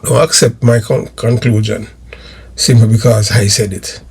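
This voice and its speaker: Jamaican guy doing emphatic political commentary, rough croaky husky voice, kinda speechifying, repeats stuff for emphasis. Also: fairly low pitch, level tone, moderate pace, a little mellow. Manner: declamatory, repeats phrases for emphasis. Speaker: host of a political history video channel.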